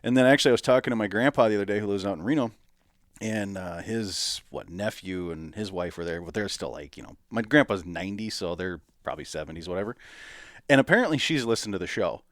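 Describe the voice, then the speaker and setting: A man in his late thirties hosting a casual podcast, chatty and quick to laugh. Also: on the low side, lively intonation, fairly bright tone, no echo, clean studio sound. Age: 30s. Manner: chatty storyteller, laughs easily. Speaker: podcast host.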